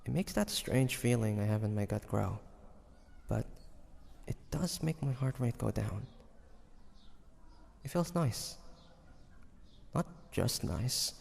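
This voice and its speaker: A man's voice: on the low side, creaky, darkish tone, full character voice. A man playing a flustered, smitten demon hunter in a romantic audio roleplay, hesitant and stammering, often muttering to himself. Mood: tender, embarrassed. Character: flustered young male demon hunter, secretly smitten and awkward.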